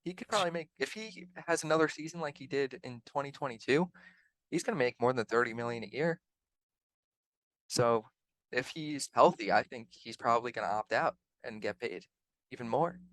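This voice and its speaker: A man's voice: medium pitch, lively intonation, normal speed, fairly bright tone, dry recording, low-quality recording. Regular-voiced guy on a sports podcast, chatty, breaks stuff down. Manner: analytical, chatty. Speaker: podcast co-host. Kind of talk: casual sports chat.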